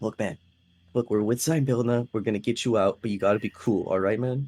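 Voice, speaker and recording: Using a put-on character voice, a man talks breathily at a fairly quick pace and a medium pitch. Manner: reassuring, urging calm.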